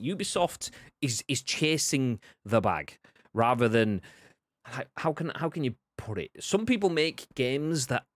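A man's voice: mid-range voice, dry recording. A man hosting a video game podcast in casual chat, reading viewer comments and mocking with swearing. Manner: animated, mocking, swears, acts out both sides.

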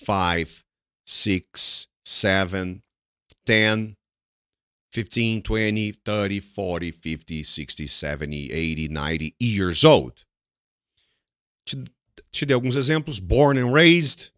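Brazilian man with a Brazilian Portuguese accent, a low voice and a dry, close sound, teaching English and drilling students with questions and repeated words. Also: a bit bright, clear, resonant tone, no echo. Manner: repeats words slowly, asks students questions and answers them himself. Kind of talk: English lesson mixing in Portuguese explanations.

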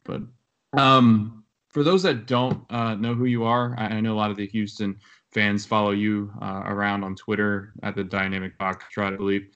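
Low-voiced man co-hosting a podcast. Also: moderate pace, smooth, dull audio. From Florida. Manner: relaxed, hesitant with many fillers. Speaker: podcast co-host. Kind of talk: casual sports podcast chat.

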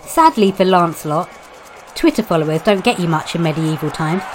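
A woman's voice: lowish voice, lively intonation, brisk, a little hiss or hum, lightly acted, poor audio. Woman as wry, cheeky pantomime narrator. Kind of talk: scripted comic narration.

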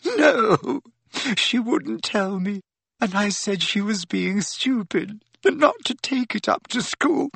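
A distraught teenage girl, played by a male narrator in an audiobook story. The voice is pitched high and quavers with breathy sobs, tearful all the way through. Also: expressive, slow pace, fairly bright tone, no echo, full character voice. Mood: wailing, tearful. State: crying.

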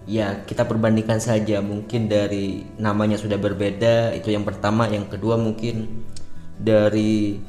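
A man with a Javanese accent, touched with Madurese, chats through a podcast in a joking, easygoing way. His voice sits fairly low. It is recorded in a roomy space, with faint instrumental music underneath. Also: darkish tone. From Java. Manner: chatty, jokey, asks himself questions. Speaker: podcast host. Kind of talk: casual podcast monologue.

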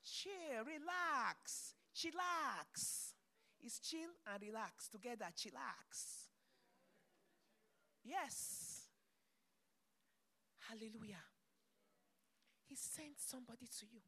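A middle-aged woman preaching a sermon, moving between soft asides and loud, emphatic exclamations. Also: a little high, expressive, takes it slowly, long pauses.

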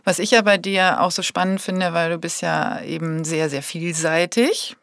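Female podcast host, slightly low voice, dry close recording, conversational interviewing. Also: fairly even intonation, normal speed, vocal fry, a bit bright, no room sound. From Hamburg, Germany. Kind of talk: casual interview chat.

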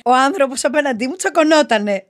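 A woman from Greece chats as a guest on a casual podcast. Her voice sits a little high, and she tells stories in an animated way, slipping into the people in them. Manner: lively storyteller, acts out quotes. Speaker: guest actress.

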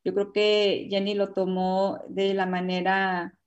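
A woman's voice: mid-range voice, flat delivery, slow, dull audio. A woman hosting a casual panel chat, chatty and full of fillers and exclamations. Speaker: host.

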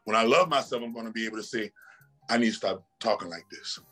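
A man's voice: on the low side, fast, fairly bright tone, faint music behind. A man talking as a podcast guest, preachy and emphatic, often repeating himself and asking "right?". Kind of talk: casual motivational talk.

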